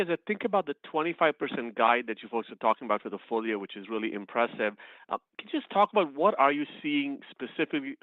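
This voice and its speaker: Male analyst, rapid delivery, earnings call question, dry narrow telephone sound. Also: mid-range voice, dry recording. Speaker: financial analyst asking questions. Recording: narrow dry phone line.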